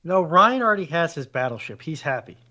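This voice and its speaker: Bright-voiced man in casual chat. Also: fairly high pitch, very animated, brisk. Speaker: panel commentator, reads out questions.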